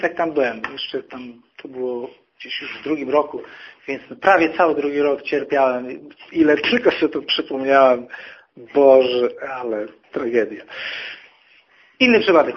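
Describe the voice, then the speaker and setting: Male preacher, fairly high voice, storytelling sermon, dull lo-fi recording with faint hiss. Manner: storytelling, acting out quoted people. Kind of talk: sermon with personal testimony.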